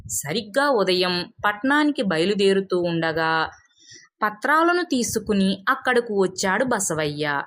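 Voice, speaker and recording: Storyteller, female, mid-pitched voice. Scripted narration for moral folk tales. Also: big pitch swings, unhurried, fairly bright tone.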